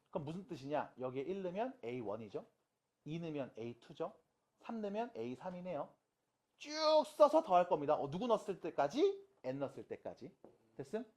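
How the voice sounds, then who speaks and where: A math teacher gives an online lecture to high school students in a darkish voice that swings widely in pitch. Quick rhetorical questions check in with the class, and each key step is repeated slowly and emphatically. Casual and polite speech alternate throughout.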